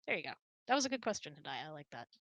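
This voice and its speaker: A woman's voice: low voice, big pitch swings, racing, fairly bright tone, no room sound, highs cut off. A woman hosting a casual online hangout, chatty and self-deprecating, thinking aloud as she answers audience questions. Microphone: close mic on an online voice chat.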